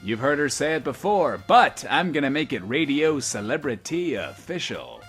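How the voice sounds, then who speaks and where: A man's voice: mid-range voice, big pitch swings, normal speed, a bit bright, soft background music. A man playing a vain, sardonic post-apocalyptic radio host, grandiose and self-pitying, in an audio drama. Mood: forced cheer.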